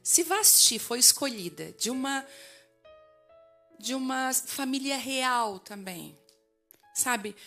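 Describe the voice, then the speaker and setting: A woman pastor delivers a passionate sermon in a church service, often turning to the congregation with questions. Her voice sits a little high and rings bright and forceful. Soft music plays faintly behind her. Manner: passionate, rising to declarations.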